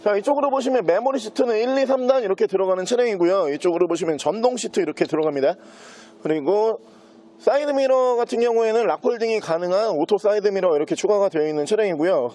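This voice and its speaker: A man giving an unscripted sales walkthrough as a used car dealer, with smooth, practised salesman patter. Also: sits high, dark tone. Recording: dull, muffled lo-fi sound.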